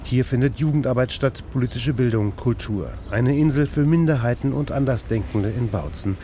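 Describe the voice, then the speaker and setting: A man reporting and narrating a scripted radio feature in a measured, even way. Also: mid-range voice, a little hiss or hum.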